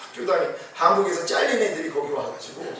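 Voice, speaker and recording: A man's voice: very animated, brisk, a bit bright. A middle-aged man preaching a sermon as pastor, telling a personal testimony with emotion and rising to fervent exclamations. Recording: boomy echo, distant mic, faint hiss.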